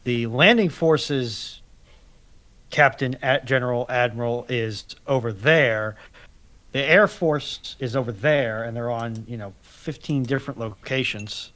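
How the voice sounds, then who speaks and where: A man in a casual panel discussion, explaining his points in a measured way with some hesitant restarts. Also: medium pitch, fairly bright tone. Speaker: livestream panelist.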